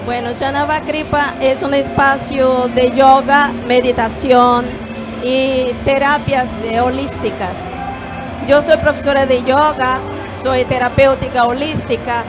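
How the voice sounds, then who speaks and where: A Brazilian woman yoga teacher speaking Spanish in a gentle, measured way with small hesitations, on a handheld mic at a fair stand. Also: high-pitched, fairly even intonation, over music. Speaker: yoga teacher and holistic therapist. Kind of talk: calm explanatory interview answers. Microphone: handheld microphone.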